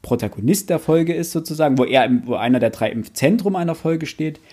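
A man's voice: a little high, lively intonation, brisk, a little mellow, husky. A man in a casual discussion, explaining things like a knowledgeable fan. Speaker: book podcast panelist.

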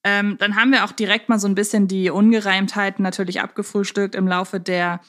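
A woman talks as a podcast co-host at a middle pitch. She reasons things through casually, with a dry sense of humour. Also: level tone, a little fast, a bit bright.

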